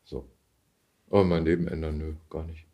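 A middle-aged man speaking as an interview guest in casual conversation, reflective and halting as he searches for words. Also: extremely low pitch, flat delivery, dark tone.

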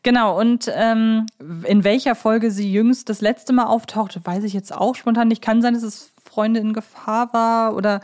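A woman's voice: a little high, fairly even intonation, unhurried, few pauses, darkish tone. A woman co-hosting a podcast in a casual, chatty discussion, putting questions to her partner in a conversational way. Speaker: podcast co-host.

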